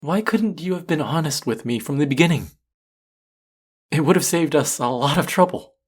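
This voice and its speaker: Voicing a young chef in an intimate audio roleplay, the man sounds expressive and sits on the high side. The character is an exasperated, combative rival with a tender, earnest streak, delivered in a gravelly, halting way.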